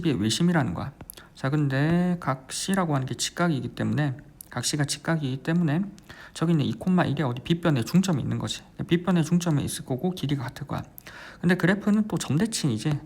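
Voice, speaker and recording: A man working through a math exam problem step by step as a tutor, repeating his phrases and constantly asking quick check questions. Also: on the high side, creaky. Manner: keeps asking quick check questions like "right?" and "how much?"; repeats phrases while writing. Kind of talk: exam solution walkthrough lecture.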